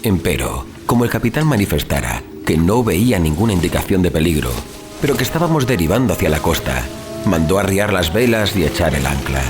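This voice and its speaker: A man giving a dramatic, measured and expressive narration of a horror story at sea. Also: deep voice. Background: music.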